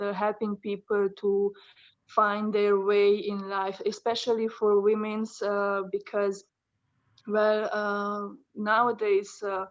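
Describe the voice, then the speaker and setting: A woman from Romania with Hungarian as her first tongue, answering interview questions in a hesitant, level voice. She pauses often with fillers. The sound is dull and lo-fi, like a video call. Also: mid-range voice. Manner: hesitant, many fillers, soft-spoken. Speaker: interview guest, abstract artist.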